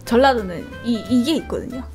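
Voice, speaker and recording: A woman in her thirties chats about her family with a high, bright voice that swoops up and down. She laughs often and slips into playful impressions of her relatives. Faint music plays softly under her voice. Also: fairly quick. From not from Gyeongsang. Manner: lively, laughs often, acts out relatives in mock dialect. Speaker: beauty vlogger telling family stories. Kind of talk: casual storytelling chat.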